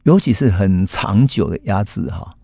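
A man, hosting a historical storytelling podcast in an unhurried, reflective way. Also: lowish voice, animated, creaky, dark tone, no room sound, studio quality. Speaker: host and storyteller.

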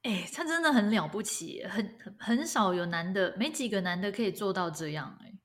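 A woman's voice: mid-range voice, lively intonation, fairly quick, a bit bright. A woman in her thirties with a Taiwanese Mandarin accent, co-hosting a casual podcast chat who reacts with teasing exclamations. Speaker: podcast co-host.

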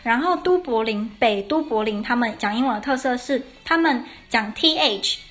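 A woman's voice: fairly high pitch, lively intonation, normal speed, fairly bright tone. Chatty young woman teaching. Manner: chatty, explains step by step, corrects herself mid-sentence. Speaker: podcast host. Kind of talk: casual podcast lesson. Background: faint traditional Irish music.

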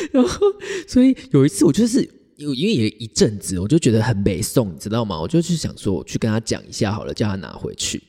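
A man tells a story in casual podcast chat. His mellow voice rises and falls a lot and breaks into laughter often. It rings with a long, echoey reverb. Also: lowish voice, fairly quick, husky. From Taiwan. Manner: animated, laughs often, acts out quoted arguments. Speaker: podcast host.

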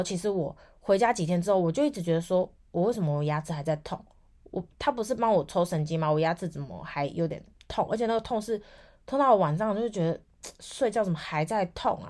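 A young woman with a Taiwanese Mandarin accent hosting a podcast, telling a story in a chatty, animated way and acting out the people she quotes. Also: on the low side. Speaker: podcast host. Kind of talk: casual storytelling monologue.

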